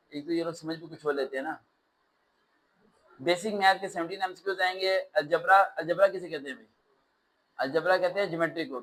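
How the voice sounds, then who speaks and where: Male test-prep teacher, slightly high voice, animated lecturing with sarcastic rants. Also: low-quality recording. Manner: animated, ranting with sarcastic asides. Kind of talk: classroom lecture.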